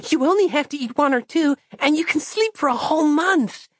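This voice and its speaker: A small, cheerful little girl with a high, piping voice and a sing-song lilt, as a male reader puts her on. Her pitch swings widely, and she sounds naive and earnest. The recording is close and dry. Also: lively intonation, a little fast, a bit bright, dry recording. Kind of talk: audiobook reading.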